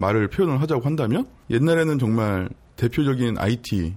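Pitch swings very widely as a man talks. His pace is moderate. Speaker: podcast host. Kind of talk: interview.

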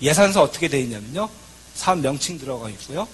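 A man with a fairly high voice talks at a fairly quick pace with lively intonation over noticeable background noise. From Cheorwon, Gangwon, South Korea. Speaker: political speaker. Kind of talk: public speech. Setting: conference hall with audience. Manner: animated.

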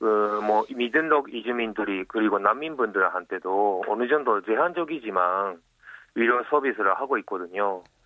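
Pitch shifts in an ordinary way as the words come at a moderate pace. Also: man, fairly low pitch for a man. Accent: Japanese. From Japan. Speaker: NGO medical team leader. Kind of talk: interview answers.

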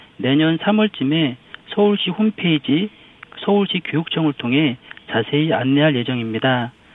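A man with a fairly high pitch speaks at a fairly slow pace with lively intonation and very even loudness. Noticeable background noise is present. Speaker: government official. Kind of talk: formal interview answers.

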